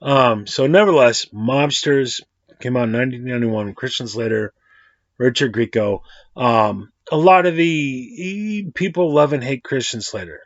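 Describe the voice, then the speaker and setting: A man's voice: medium pitch, normal speed, no echo. Man, 40s, vlog host with a mid-range voice. Rambling, slangy, self-correcting delivery. Dry, slightly muffled lo-fi audio. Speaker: host of a movie review channel. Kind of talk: casual movie review vlog.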